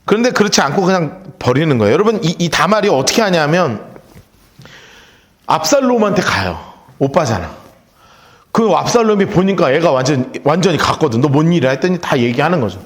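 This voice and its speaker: A man's voice: on the high side, very animated, a little fast. A male pastor leading a Bible study sermon, telling the story vividly and acting out the characters' lines. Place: church.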